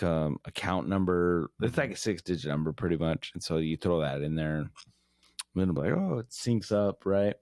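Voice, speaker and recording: A man co-hosting a casual podcast who rambles excitedly about video games, with lots of fillers and swearing. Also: low-pitched, no room sound, studio quality. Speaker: podcast co-host.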